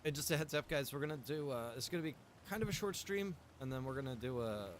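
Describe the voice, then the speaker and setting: A man's voice: medium pitch, expressive, fast, a little hiss or hum. A man streaming a game live, chatting casually with his viewers and reacting as he plays. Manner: chatty, talks to chat and game characters. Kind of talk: casual live-stream chat while playing.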